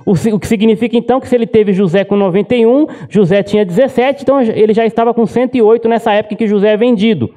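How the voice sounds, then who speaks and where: High-voiced male pastor, mellow tone. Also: racing, few pauses. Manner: conversational storytelling, frequent tag questions. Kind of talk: sermon.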